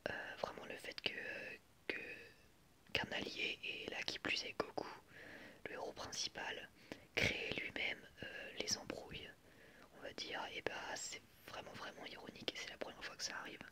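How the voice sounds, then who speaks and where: Homme qui chuchote en ASMR. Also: male voice, normal speed. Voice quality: soft unvoiced whisper. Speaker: host of an anime ASMR channel. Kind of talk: whispered ASMR commentary.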